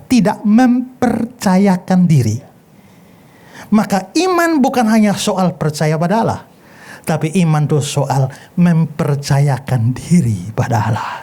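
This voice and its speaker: Animated man teaching a Bible lesson. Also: sits high. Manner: animated storyteller. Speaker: pastor teaching a Bible class. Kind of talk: sermon-style Bible lesson with storytelling.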